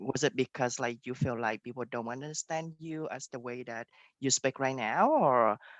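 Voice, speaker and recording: In a dry, close sound with no echo, a man with a Vietnamese accent talks at a moderate pace with ordinary pitch variation and big swings in loudness. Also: medium pitch for a man. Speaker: English speaking club host. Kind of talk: casual group video chat.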